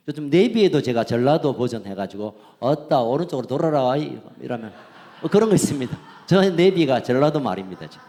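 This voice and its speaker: A man's voice: medium pitch, warm tone. A man in his fifties, a pastor, preaching with playful humor and frequent chuckles. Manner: jokey, playful, chuckling often. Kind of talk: sermon with humorous dialect reading. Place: church sanctuary. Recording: church hall reverb.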